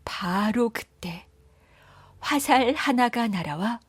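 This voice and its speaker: A woman narrating children's folktales in a gentle, measured storytelling manner. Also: on the high side, expressive, husky, no echo.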